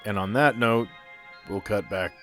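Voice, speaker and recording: A man's voice: on the low side, a little slow, bright, forceful tone, faint music behind. A man running a tabletop game as game master, narrating in a casual, playful, conversational way.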